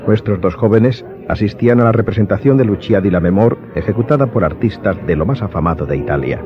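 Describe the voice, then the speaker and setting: A man with a deep voice narrates a radio drama in a measured, literary way. His intonation is lively, and the slightly muffled recording carries music behind him. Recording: dull lo-fi sound, loud music behind.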